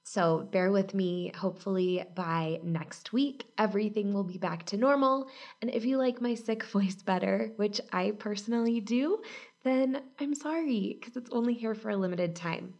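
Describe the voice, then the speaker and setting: A woman in her thirties hosting a casual solo podcast, upbeat and chatty, her voice husky from a cold. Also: medium pitch, moderate pace, darkish tone. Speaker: podcast host and business coach.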